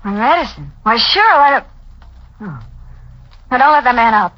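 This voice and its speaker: An actress playing a sharp-tongued, frightened young wife in a 1940s radio drama, with a breathy, shrill delivery, on a dull old broadcast. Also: female voice, animated, normal speed. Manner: shrill and scolding, then panicky.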